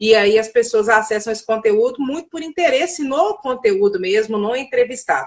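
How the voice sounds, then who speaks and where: Intonation rises and falls in a lively way as this woman talks. Her tone comes across as animated. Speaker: journalist. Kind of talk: interview. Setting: live stream. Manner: fast.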